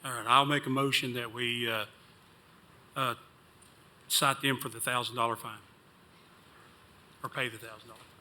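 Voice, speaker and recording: A man's voice: mid-range voice, level tone, moderate pace, long pauses, sharp tone, a little hiss or hum. A man, a county commissioner, questioning a business owner in a blunt, conversational way. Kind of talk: questioning at a public hearing. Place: county board meeting room.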